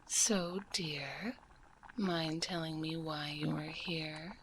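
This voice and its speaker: A woman voicing a kindly, gently teasing witch alchemist in a soft, breathy ASMR roleplay, close to a binaural microphone. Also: sits low, steady tone, slight background noise, exaggerated voice, low-quality recording. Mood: coy, welcoming. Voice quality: soft, breathy, half-whispered. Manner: unhurried, soothing, calls listener dear.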